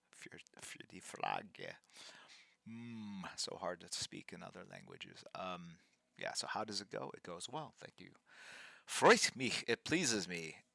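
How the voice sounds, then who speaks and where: A man in his fifties hosting a livestream, chatting casually while drawing and reading out viewer names in a halting, thinking-aloud way. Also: low voice, sing-song, gravelly, sharp tone, dry recording. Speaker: livestream host.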